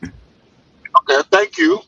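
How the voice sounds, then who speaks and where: A man's voice: extremely slow, sharp tone, no echo, dull audio. A male interviewer who asks his questions insistently, repeating them again and again.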